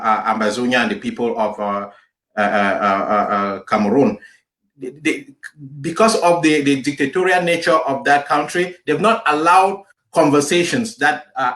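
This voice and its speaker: A man in a political discussion, speaking in a measured, halting way with frequent hesitations. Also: medium pitch, a bit bright. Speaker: activist and discussion partner. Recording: roomy, echoing sound.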